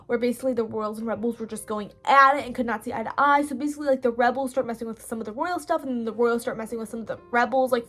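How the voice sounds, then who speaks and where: High-voiced young woman; chatty, indignant online storyteller, soft music underneath. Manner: chatty, indignant, many "like" fillers. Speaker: video creator. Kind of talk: casual story recap.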